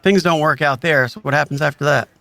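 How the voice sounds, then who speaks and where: A man's voice: a little high, fairly even intonation, fast, gravelly, bright, forceful tone, dry recording. A man co-hosting a casual podcast chat, asking questions and reacting with jokes. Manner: jokey, reactive. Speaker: podcast co-host, interviewer.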